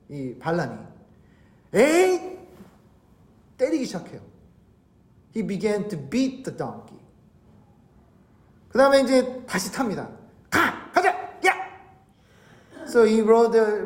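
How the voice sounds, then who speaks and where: A woman pastor preaching a sermon as an animated storyteller who retells each part in a second language, in a church sanctuary through a pulpit mic. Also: mid-range voice, reverberant. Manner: animated storyteller, repeats herself in two languages.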